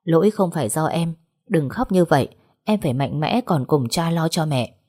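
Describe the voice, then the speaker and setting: A woman's voice: sits low, expressive, moderate pace, mellow, slightly rough. A woman voicing a caring young man. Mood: reassuring. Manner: reassuring, earnest. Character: caring young man consoling his partner.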